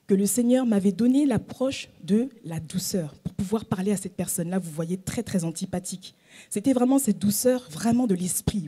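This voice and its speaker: A woman pastor preaching a sermon, telling a personal story in a gentle way, often dropping to a whisper. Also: medium pitch, breathy edge.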